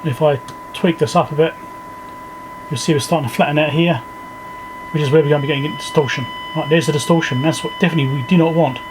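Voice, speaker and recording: A man with a fairly high voice talks through repair work in an informal, think-aloud way. He sounds like a video host explaining each step at his bench, with some noise in the recording. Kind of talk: casual hands-on repair walkthrough. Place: indoor electronics workbench.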